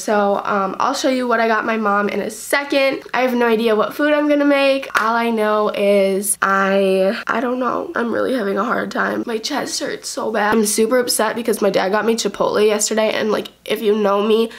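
Rambling teenage girl vlogger with a cold. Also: mid-range voice. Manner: rambling, heavy use of "like". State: sick with a cold and sore throat. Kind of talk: casual chatty vlog. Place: bedroom indoors. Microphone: camera mic close in front of speaker.

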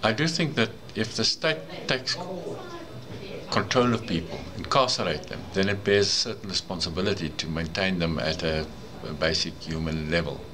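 An older man from South Africa whose first language is Afrikaans, with a South African accent, giving measured, thoughtful answers as an advocate being interviewed indoors. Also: deep voice, crowd noise. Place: indoor room, seated. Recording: noisy room ambience.

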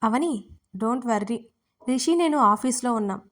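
A woman voicing a calm, reassuring male friend in an audio story, barely changing her own voice. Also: a little high, measured pace. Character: calm man, protective friend.

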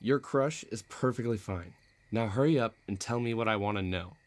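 A man's voice: on the low side, normal speed, lightly acted. A man playing a cocky, menacing villain in a romantic audio roleplay, taunting and self-assured. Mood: coaxing, menacing. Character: cocky, menacing male villain, playful but threatening.

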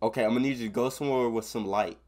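A man's voice: medium pitch, rapid-fire, noisy background. A young man streaming from his bedroom on a headset, roasting and mocking strangers with crude banter and laughter. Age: young adult. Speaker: streamer trolling strangers on video chat. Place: bedroom, indoors.

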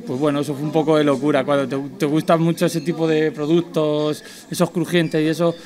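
Man in his 30s, chef interviewee; slightly high voice, halting, restaurant dining room, handheld mic. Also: flat delivery, over music. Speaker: guest chef. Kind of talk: casual interview.

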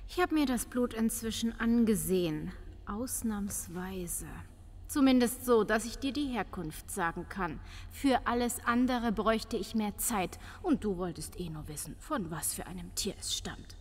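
An actress playing a shrewd, sardonic police pathologist in a crime radio play, teasing and probing. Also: female voice, medium pitch, lively intonation, a little slow, darkish tone, long reverb tail. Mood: dry, teasing. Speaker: actor in crime audio drama. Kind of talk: German crime audio drama acting.

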